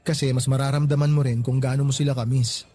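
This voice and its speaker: A man's voice: mid-range voice, little pitch movement, quick pace, mellow, lightly acted. A man playing a casual, caring young coworker in a radio drama, talking in a soothing, everyday way. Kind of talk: Tagalog radio drama acting.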